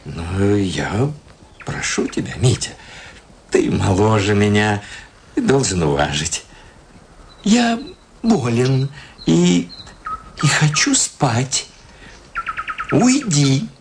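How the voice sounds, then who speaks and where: An actor playing an irritable, self-pitying middle-aged husband in a radio play, spluttering and hesitant with theatrical outbursts. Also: male voice, medium pitch, big pitch swings, slow, long pauses, slight background noise. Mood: pleading. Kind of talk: Russian radio play acting.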